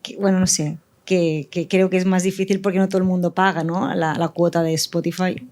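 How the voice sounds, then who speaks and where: A woman's voice: lowish voice, level tone, a little fast, darkish tone. A woman speaking as a panelist, explaining things informally and somewhat tentatively. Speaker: panelist, audio fiction writer.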